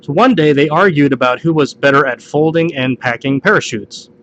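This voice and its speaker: A man's voice: fairly high pitch, a little fast, a bit bright, lo-fi sound, a little hiss or hum. Man casually reading jokes aloud, stumbling along. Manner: stumbles over the text and rereads lines. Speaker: joke reader hosting a home video.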